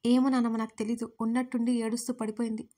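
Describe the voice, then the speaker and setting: A flustered young man, read by a female storyteller, talks in quick, anxious bursts. The voice stays fairly high and even in melody. It is an audio storybook reading. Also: lightly acted. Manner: hurried, anxious.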